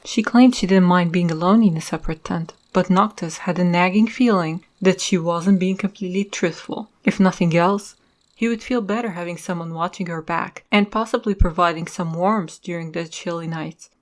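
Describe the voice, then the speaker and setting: A woman's voice: fairly low pitch, moderate pace. A woman hosting and narrating a podcast, reading in a scripted style. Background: music.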